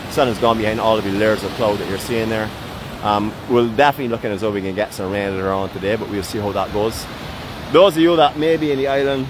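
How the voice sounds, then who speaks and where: A man at a fairly low pitch, very fast, with ordinary pitch variation, a dry sound with no echo, and noticeable background noise. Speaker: vlogger narrating a beach walk. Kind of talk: casual vlog chat. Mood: playful teasing. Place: beach. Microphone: phone near.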